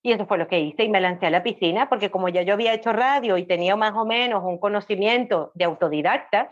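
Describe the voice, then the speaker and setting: Casting: chatty female interview guest, medium pitch, slightly muffled lo-fi recording. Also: quick pace. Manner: talkative, repeats phrases for emphasis. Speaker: podcast guest. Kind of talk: casual conversational storytelling. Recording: dull lo-fi voice audio.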